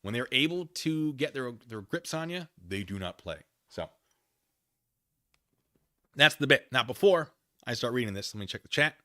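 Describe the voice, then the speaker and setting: A man's voice: medium pitch, animated, normal speed, long pauses, bright, forceful tone, dry recording, clean studio sound. A man hosting a livestream, giving casual, rambling commentary with playful, self-deprecating asides and chat with his viewers.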